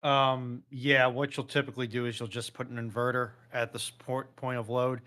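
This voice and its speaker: Even-toned man with a bright, forward voice. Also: medium pitch, normal speed. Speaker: panel guest. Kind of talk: casual technical explanation.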